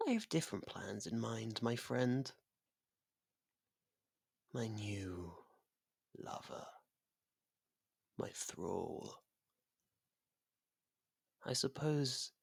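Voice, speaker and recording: Slow, gravelly, sadistic vampire put on by an actor. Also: no echo, studio quality, heavily acted. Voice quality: low, gravelly, breathy. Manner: slow, hushed, often breathy whispering, theatrical. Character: sadistic ancient vampire, seductive, possessive, bloodthirsty and condescending. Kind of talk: ASMR roleplay monologue. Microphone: close studio microphone, dry.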